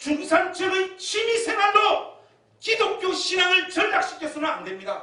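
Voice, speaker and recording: In a room with audible echo, a man with an extremely high pitch projects his raised voice at a fairly slow pace, his pitch varying in an ordinary way. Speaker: pastor. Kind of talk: sermon. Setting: church.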